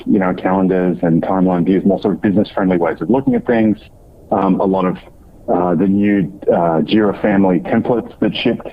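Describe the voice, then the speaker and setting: A man's voice: sits low, slight background noise. A man speaking as a company executive, answering analyst questions off the cuff on an earnings call in corporate language. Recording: tinny band-limited phone conference line.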